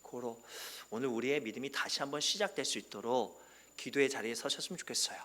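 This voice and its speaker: A man preaching a sermon as pastor, animated and sometimes shouting. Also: medium pitch, fast. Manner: animated, acts out quoted voices and sometimes shouts.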